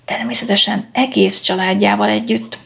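Give me a woman reading a brisk, no-nonsense police sergeant from a storybook. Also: medium pitch, fairly even intonation, creaky. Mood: stern. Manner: curt, official and firm. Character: stern, brisk police sergeant, adult man.

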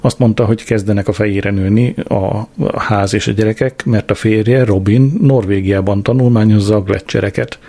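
Low gravelly guy reading a diary story, dry and wry, mellow dark tone. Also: steady tone, few pauses. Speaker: audiobook narrator.

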